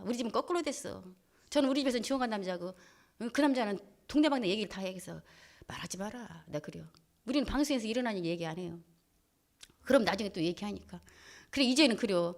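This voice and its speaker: Woman pastor giving a lively testimony. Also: on the high side. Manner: lively colloquial storytelling, acting out quoted voices. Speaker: pastor and head of a Christian broadcaster. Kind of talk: church testimony.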